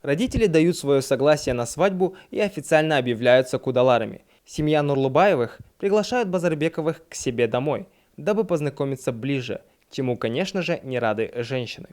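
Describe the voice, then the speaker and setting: A man's voice: medium pitch, animated, a little fast, few pauses, darkish tone, a little hiss or hum. A man narrating a scripted comedic film review in a mocking, sarcastic manner. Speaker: film reviewer and video host.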